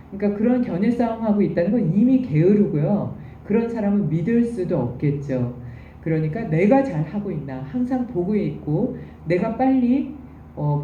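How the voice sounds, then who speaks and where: A woman's voice: medium pitch, slight background noise. A woman giving a recorded university lecture, explaining terms patiently and step by step. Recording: echoey, distant, dull room recording.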